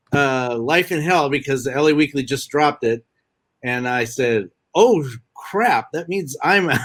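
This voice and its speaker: At a fairly slow pace, a man with a fairly high pitch speaks using lively intonation. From San Diego–Tijuana border, Southern California. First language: Spanish. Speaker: political cartoonist. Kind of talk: casual chat. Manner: halting, many fillers.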